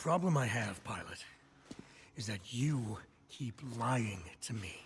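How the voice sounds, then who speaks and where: In a menacing, put-on character voice, a man speaks fairly slowly at a medium pitch. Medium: video game. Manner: menacing, volatile.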